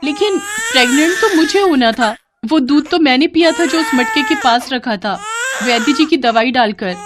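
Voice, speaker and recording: A woman voicing a gentle, dutiful young village wife in a moral story cartoon, polite and expressive. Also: high voice, moderate pace, noisy background, voice pushed up. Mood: alarmed.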